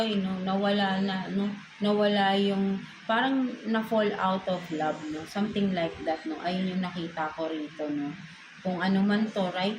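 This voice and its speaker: A woman's voice: medium pitch, roomy sound, noisy background. A woman with a Filipino accent giving a casual tarot reading, tagging nearly every phrase with a questioning "no?". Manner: mixes English into Filipino, ends phrases with a questioning "no?". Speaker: tarot reader.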